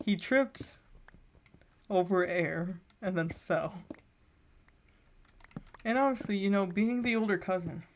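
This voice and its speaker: A woman's voice: fairly low pitch, unhurried, pauses often, slight background noise. A teenage woman streaming a game and telling a rambling story in casual chat, full of filler likes. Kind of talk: casual chat while gaming.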